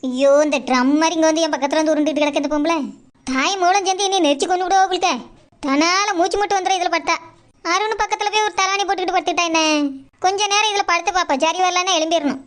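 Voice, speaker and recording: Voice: extremely high pitch, very fast, fairly bright tone. A performer voicing a grumbling, suspicious village woman in a cartoon, complaining and accusing in a southern Tamil Nadu accent. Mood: irritated. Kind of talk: Tamil cartoon character dialogue.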